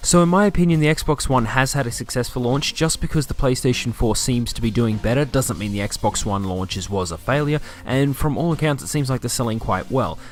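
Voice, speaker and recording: A medium-pitched man talking fairly quickly with hardly any pauses and lively intonation, amid noticeable background noise. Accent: Australian. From Australia. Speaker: gaming YouTuber. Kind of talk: gameplay commentary.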